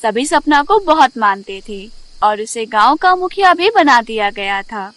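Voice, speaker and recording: A woman tells a children's fairy tale from a script. Her voice is very high and animated in its melody, and the recording is dry with no room sound. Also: a little slow, dry recording. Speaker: storyteller, narrator.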